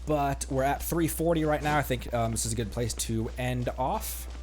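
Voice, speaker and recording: A man streaming a game, chatting casually in a rambling, halting way that often interrupts itself. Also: mid-range voice, darkish tone. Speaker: game livestreamer. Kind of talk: casual gaming chat. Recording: music playing behind the voice.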